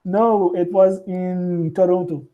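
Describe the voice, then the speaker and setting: Brazilian guy, slow halting english, portuguese native, sounds like a thin phone line. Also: high-pitched, level tone. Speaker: podcast guest, house builder. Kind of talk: casual interview conversation. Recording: thin phone-like call audio.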